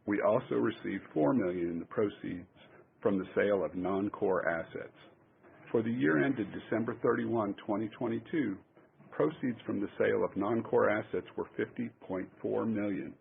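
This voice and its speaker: A man speaking as a company executive, formally reading a scripted financial presentation in a measured way over a conference call phone line. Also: lowish voice. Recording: tinny phone line with clear noise.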